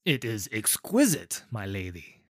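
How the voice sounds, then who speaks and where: A man's voice: lowish voice, wildly swooping pitch, measured pace, no room sound. Storybook role: fretful male troupe master, read by the narrator, raised and obsequious, with a dry studio sound. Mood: flustered. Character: fretful, fawning male theater troupe leader. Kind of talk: storybook character voice.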